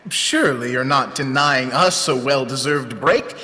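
An actor playing an impish, wisecracking trickster fairy in a fantasy audio drama, mocking and flippant. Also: male voice, mid-range voice, unhurried, sharp tone. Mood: sardonic. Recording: long cavernous reverb.

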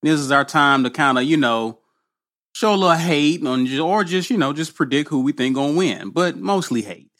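A man's voice: on the high side, animated, moderate pace, fairly bright tone. A man hosting a casual sports podcast, upbeat and steering the conversation. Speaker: podcast host.

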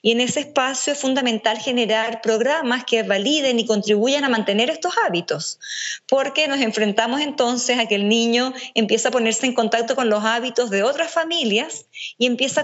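A woman's voice: a little high, muffled recording. Woman with a mixed Venezuelan-Chilean accent. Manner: measured, structured, lists points. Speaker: nutrition expert guest. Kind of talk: explanatory interview answers. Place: speaking remotely from home.

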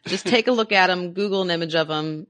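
American woman cohost, bright sharp voice, playful and teasing. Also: on the low side, no echo. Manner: playful, teasing, quick to laugh. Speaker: podcast co-host. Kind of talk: casual educational chat.

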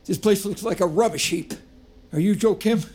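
An actor playing an arrogant Southern plantation master and frightened father, with a husky, domineering voice and a Southern American accent. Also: sits high, normal speed, dark tone. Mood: contemptuous. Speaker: actor in audio drama.

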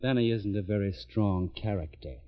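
A man as a deadpan, tough homicide cop. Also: fairly low pitch, normal speed, very noisy, close to an everyday voice. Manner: dry, clipped, deadpan wisecracks. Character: tough, wisecracking homicide lieutenant. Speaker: police lieutenant and narrator. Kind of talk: 1950s radio drama. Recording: dull old radio recording with music.

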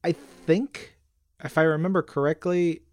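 A man with a fairly high voice hosts a casual fan podcast. He talks in a chatty, enthusiastic way, whether reading messages or giving his take. The sound is dry, with no room echo. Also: fairly even intonation, a little slow, a little mellow. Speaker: podcast co-host.

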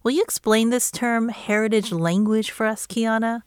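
A woman hosting a podcast, presenting her segments and guests in a clear, friendly, even manner. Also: a little high, normal speed, no room sound, studio quality. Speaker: podcast host. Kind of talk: scripted podcast narration and interview. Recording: loud music bed under voice.

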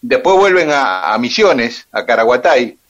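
Radio guest: Argentine man, mid pitch, patient detailed storytelling, dull lo-fi broadcast. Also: measured pace. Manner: detailed, steady, with "eh" and "este" fillers.

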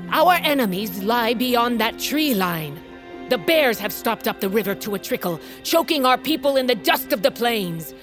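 An imperious tribal queen of a wolf clan, with a fairly high voice. She is stern and formal, declaiming every line like a ruler in a fantasy audio drama, with clear music behind her.

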